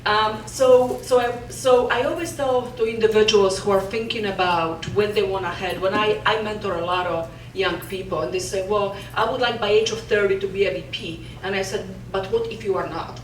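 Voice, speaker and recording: Giving an earnest, motivating conference keynote, a woman from Poland speaks with a Polish accent and keeps restarting words. She talks at a normal speed with barely any pauses in a mid-range voice. The echoey hall is recorded from a distance, with slight background noise.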